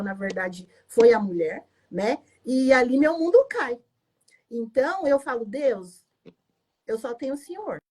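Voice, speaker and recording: Woman pastor telling her testimony, high voice, emotional and emphatic. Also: a little mellow. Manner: emotional, emphatic storytelling with frequent "né?". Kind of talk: personal testimony.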